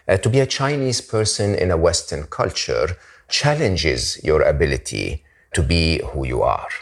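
A man hosting an interview podcast, moving between scripted introduction and conversational questions. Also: deep voice. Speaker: podcast host.

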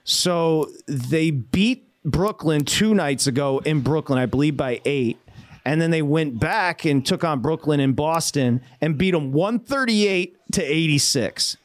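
A man hosting a sports betting show, talking casually in an animated, ranting way with quick asides. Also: fairly high pitch. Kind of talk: casual sports radio talk.

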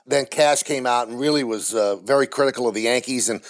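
A man's voice: medium pitch, fairly quick. A man speaking as an interview guest, candid and blunt, with vivid comparisons. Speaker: baseball TV play-by-play announcer, guest.

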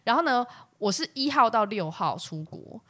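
A woman's voice: a little high, very animated, moderate pace, pushed and bright. A woman with a Taiwanese Mandarin accent, co-hosting a casual comedy podcast, complaining in a wry, exaggerated way. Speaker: podcast co-host.

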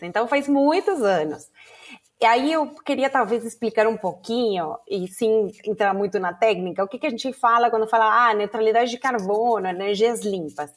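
An Argentine woman with a Spanish accent, a native Spanish speaker, answering interview questions as a guest in a friendly, explanatory way. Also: on the high side. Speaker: guest, communications executive.

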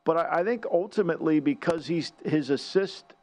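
A man's voice: on the high side, a little mellow, dry recording. Male host, Boston accent, casual sports talk, stammers and restarts a lot. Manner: halting, repeats words while searching. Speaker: show host. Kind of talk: casual sports radio chat.

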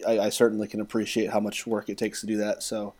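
A man's voice: lowish voice, monotone, quick pace, darkish tone. A man co-hosting a podcast in casual chat, earnestly explaining his arguments. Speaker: podcast co-host.

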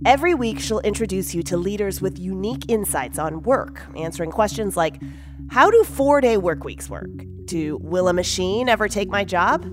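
A woman's voice: medium pitch, lively intonation, normal speed. Upbeat woman announcer over music. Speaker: promo announcer. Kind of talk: scripted podcast promo.

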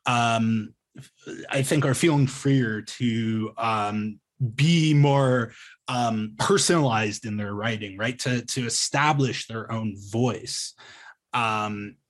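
A man in his thirties from Ontario speaks in a mid-range voice over a video call. He talks casually, hesitating often and restarting his sentences as he explains himself. He comes across as a journalist thinking out loud. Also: mid-range voice, takes it slowly. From Ontario, Canada. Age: 30s. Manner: hesitant, many ums and restarts. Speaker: journalist guest. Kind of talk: casual interview conversation.

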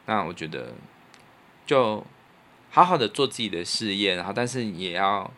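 A man with a Taiwanese Mandarin accent chatting casually and in an animated, opinionated way as a podcast host. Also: on the low side, normal speed. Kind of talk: casual chat.

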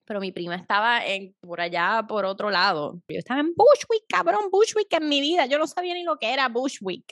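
A woman in her thirties telling a story in a casual chat, animated and profane, slipping English phrases into her talk. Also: fairly high pitch, a little fast, no echo, clean studio sound. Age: 30s.

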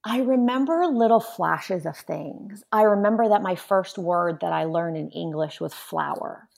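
A woman with a low voice that has a grainy, gravelly texture. Born in Poland, she talks in an easy interview style and tells lively stories, slipping into the voices of the people she quotes. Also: unhurried. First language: Polish. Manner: animated storyteller, acts out quotes. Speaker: guest. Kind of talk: casual interview conversation.

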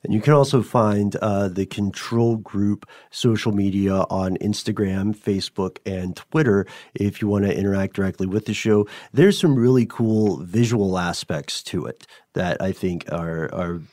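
A man with a fairly low voice co-hosts a conversational podcast. He speaks to guests and listeners alike, and the sound is dry with little room on it. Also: normal speed, hardly any pauses, darkish tone, dry recording. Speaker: podcast co-host. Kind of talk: conversational interview and show sign-off.

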